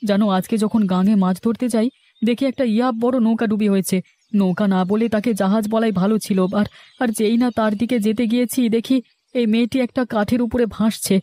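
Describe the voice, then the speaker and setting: A man's voice: high voice, steady tone, a little fast, warm tone, close to an everyday voice. A man voicing a poor, kind fisherman in a cartoon story, earnest and exclamatory. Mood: earnest, tender. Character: poor, tender-hearted fisherman husband. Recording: music under the voice. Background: music.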